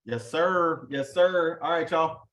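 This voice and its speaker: A fired-up man talks over a video call, loose and profane, calling everyone dude and bro. His voice sits a bit high for a man. The room around him is echoey and bare. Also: slow, a crowd in the background. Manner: hyped, profane, full of slang and fillers. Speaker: host. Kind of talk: casual motivational talk on a live video call.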